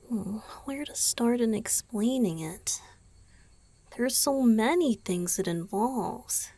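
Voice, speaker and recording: A gentle, teasing vampire boyfriend acted by a woman murmurs close and dry into the microphone in an ASMR roleplay. He takes his time, explaining patiently and often slipping toward a whisper, while his pitch rises and falls in a lively, affectionate lilt. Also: dry recording. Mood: thoughtful, gentle. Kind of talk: ASMR roleplay, intimate one-sided dialogue to the listener.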